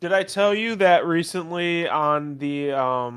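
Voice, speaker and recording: A speaker with an Upper Midwest accent talks at a fairly slow pace with ordinary pitch variation. The recording is very clean, with a silent background. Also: man. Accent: North Midwest. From northern US Midwest. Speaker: fantasy football podcast co-host. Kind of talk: casual chat.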